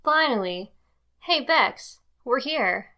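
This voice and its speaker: A woman's voice: a little high, expressive, slow pace, pushed and bright, heavily acted. Woman acting an easygoing, tentative companion. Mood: puzzled, easygoing. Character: easygoing, unsure woman companion puzzling things out. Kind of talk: audio drama acting.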